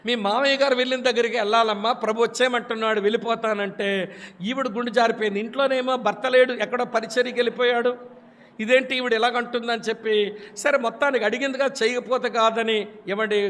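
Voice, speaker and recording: A man delivers a sermon as a lively storyteller, acting out the people in his stories and turning to ask his listeners if they are following. His voice sits high for a man. A long hall reverb trails behind every phrase. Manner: animated storyteller, acts out quoted voices, addresses listeners directly. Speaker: preacher.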